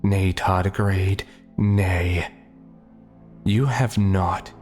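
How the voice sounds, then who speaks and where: A man voicing a commanding, sinister masked cult leader in a horror story, deep and haunting, with solemn, archaic, menacing delivery. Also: steady tone, drawn-out words, darkish tone, soft background music. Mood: grave, menacing.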